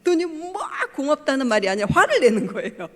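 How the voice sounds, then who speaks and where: A woman's voice: sits high, sing-song, fast talker, fairly bright tone. A middle-aged woman, a pastor's wife, gives a family talk at church, telling personal stories and acting out what her family said. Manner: storytelling, acting out family quotes. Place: church sanctuary. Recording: long church hall reverb.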